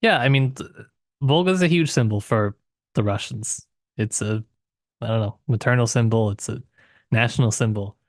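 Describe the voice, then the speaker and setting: A man's voice: mid-range voice, moderate pace, no room sound, clean studio sound. A man co-hosting a podcast, talking casually about literature and thinking aloud with tentative phrasing. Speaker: podcast co-host.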